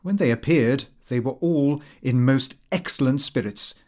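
A man's voice: mid-range voice, measured pace, a little mellow. A man narrating a comic Victorian diary, with a prim, aggrieved, theatrical manner. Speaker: audiobook narrator.

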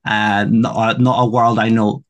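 A man's voice: lowish voice, little pitch movement, unhurried, fairly bright tone. A man from Scotland with a Scottish accent, hosting a podcast in a casual interview chat. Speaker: podcast host.

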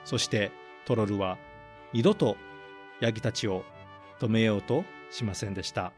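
A man's voice: lowish voice, over music. A man reading a picture book aloud in English and Japanese, then explaining English phrases as a podcast host. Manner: slow, careful reading of English lines, then Japanese translation; plain explanatory teaching tone. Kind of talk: bilingual storybook reading and English lesson.

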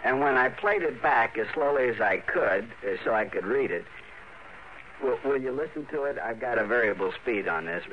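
A man playing an earnest, excitable radio tinkerer in a 1950s radio drama, with an eager, halting and insistent delivery. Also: medium pitch, close to an everyday voice. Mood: eager, excited. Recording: noisy, dull vintage radio broadcast.

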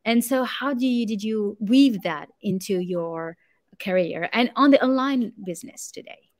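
A woman hosts an interview over a video call. She asks her questions warmly and keeps up a steady stream of agreeing responses while her guest talks. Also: mid-range voice, measured pace, no room sound. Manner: warm and affirming, with frequent agreeing backchannels. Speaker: host. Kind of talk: casual interview conversation.

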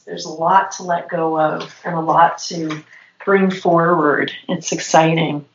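A woman in her forties with a cold and a slightly raspy voice, telling her story as a podcast guest in long, strung-together sentences. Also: deep voice, fairly even intonation, a little slow, noisy background. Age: 40s. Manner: rambling, stacks clauses with "and". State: has a cold. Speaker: podcast guest, business owner. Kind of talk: casual interview storytelling. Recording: roomy, dull lo-fi sound.

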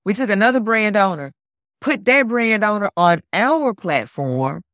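Deep-voiced woman, upbeat podcast co-host, close dry mic. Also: a little slow, dry recording. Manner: upbeat, energetic, says "like" often. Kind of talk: casual podcast chat.

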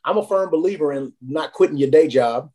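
A man's voice: on the high side, brisk, mellow. A man working as a recovery advocate, speaking earnestly and encouragingly as a podcast guest. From Tennessee. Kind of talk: casual podcast conversation.

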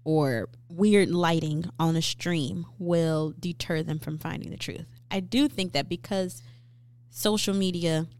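A woman co-hosting a casual discussion, explaining her views in a steady, reasoned way. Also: lowish voice, unhurried, no echo.

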